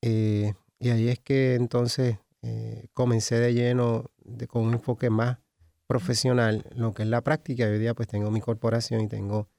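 A man's voice: mid-range voice, flat delivery, normal speed, vocal fry, mellow, no echo, studio quality. A Puerto Rican man in his forties, an addiction specialist speaking as a radio guest, professional but with many hesitant fillers. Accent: Puerto Rican Spanish. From Puerto Rico. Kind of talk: radio interview. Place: radio studio.

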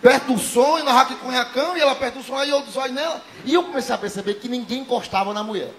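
A man's voice: very high-pitched, racing. A young man from Ceará with a Northeastern Brazilian accent, doing stand-up comedy on stage and telling crude stories while acting out the dialogue. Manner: crude, animated storyteller who acts out dialogue. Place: comedy stage in front of a live audience.

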